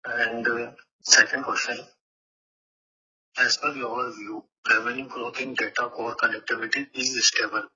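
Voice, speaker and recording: A man's voice: mid-range voice, flat delivery, measured pace, pushed and bright, slightly rough. A man with an Indian accent, an analyst putting formal questions on an earnings call. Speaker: investor analyst asking questions. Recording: muffled, lo-fi phone conference line.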